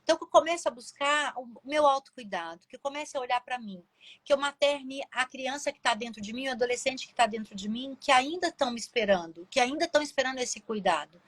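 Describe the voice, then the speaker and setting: A Brazilian woman hosting a live stream, speaking directly to her viewers in a gentle, coaxing way. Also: sits high, expressive, a little fast, no room sound. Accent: Brazilian Portuguese. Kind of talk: casual live-stream talk.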